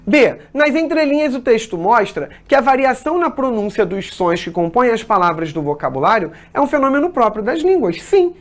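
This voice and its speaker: A woman's voice: fairly high pitch, big pitch swings, brisk, hardly any pauses. A Brazilian woman teaching an exam-prep lesson, explaining step by step, checking in with her students and correcting herself as she goes. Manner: didactic, checks in with "tá?", corrects herself mid-sentence.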